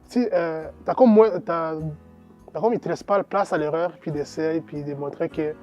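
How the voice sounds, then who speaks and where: A man's voice: on the high side, moderate pace, a little mellow, highs cut off, faint music behind. A young man from Rwanda giving a thoughtful, hesitant documentary testimony at his secondary school. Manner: hesitant, thoughtful, many fillers. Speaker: interviewee.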